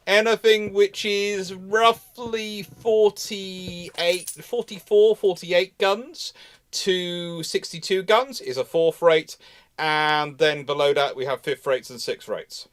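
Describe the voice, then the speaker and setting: A man with a high-pitched, slightly bright voice hosts a live session answering audience questions. It's a casual expert discussion, and he explains things emphatically, often restarting his phrases.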